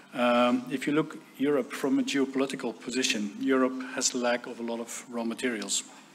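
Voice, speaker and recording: Here a man talks with a Dutch accent at a medium pitch. Noticeable background noise runs behind him. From Netherlands. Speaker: industry association director. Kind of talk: conference speech. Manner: halting.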